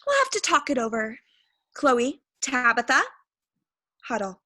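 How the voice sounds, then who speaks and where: A woman's voice: high voice, sing-song, a little slow, sharp tone, dry recording, studio quality, heavily acted. A woman playing a smug, territorial mean girl who leads a club, haughty and taunting in a comedy sketch. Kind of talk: comedy sketch staged reading.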